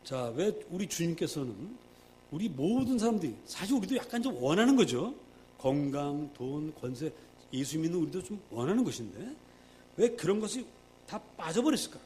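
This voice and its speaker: A male pastor preaching a sermon, emphatic, swinging between loud and hushed, acting out quoted prayers. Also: on the high side, sing-song, moderate pace, a little hiss or hum.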